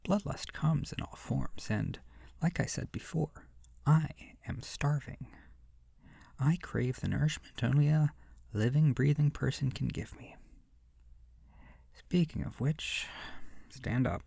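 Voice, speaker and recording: Slow, creaky, seductive vampire, acted out by someone. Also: medium pitch, mellow, no room sound, clean studio sound, full character voice. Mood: predatory, teasing. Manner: slow, breathy near-whisper, theatrical and menacing. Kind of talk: scripted horror audio roleplay, ASMR.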